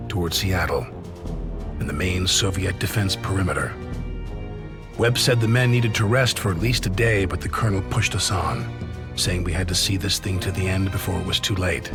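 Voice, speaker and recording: An actor narrating as a soldier looking back on the war, measured and reflective. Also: male voice, low-pitched. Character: male soldier recalling the war. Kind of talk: scripted game narration.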